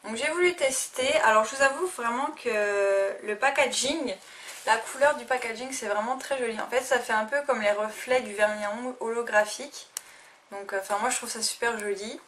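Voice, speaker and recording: A woman's voice: on the high side, moderate pace, fairly bright tone. A young woman casually reviewing makeup she bought, talking hesitantly with many fillers and restarts. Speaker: beauty vlogger. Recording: faint noise, a little distant from the mic.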